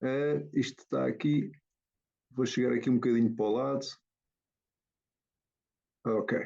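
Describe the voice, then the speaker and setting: A man's voice: mid-range voice, fairly even intonation, a little slow, creaky, mellow. A man from Portugal with a European Portuguese accent, presenting his photography over a video call in a hesitant way, with many fillers and restarts. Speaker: guest photographer. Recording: dull lo-fi video call audio.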